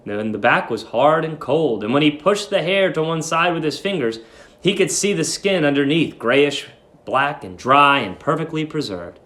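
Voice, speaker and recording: A man's voice: fairly high pitch, animated, normal speed, fairly bright tone. A man speaking as a teacher, reading a story aloud and explaining it informally.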